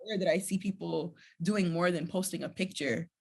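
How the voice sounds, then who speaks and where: A young woman guest explains her organizing work in a casual, emphatic way, tossing in asides to the listeners. Her voice is a bit husky and sits on the low side. The delivery is lively and conversational. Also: normal speed. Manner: animated, emphatic, addresses listeners as y'all.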